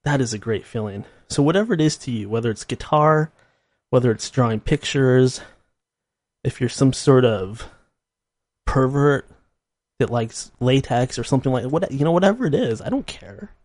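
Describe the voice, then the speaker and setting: A man's voice: medium pitch, animated, moderate pace, darkish tone, no room sound. Rambling, self-mocking man in his thirties. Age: 30s. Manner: rambling, self-deprecating, laughs at himself. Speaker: podcast host. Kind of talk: casual solo monologue.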